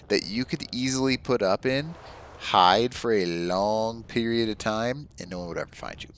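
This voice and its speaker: A man with a low voice narrates a game walkthrough, keen and chatty as he points out spots to his viewers. He talks to them directly in a relaxed, casual way. A faint hiss of background noise sits under the recording. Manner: enthusiastic, casual, addresses viewers as guys. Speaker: gaming channel host.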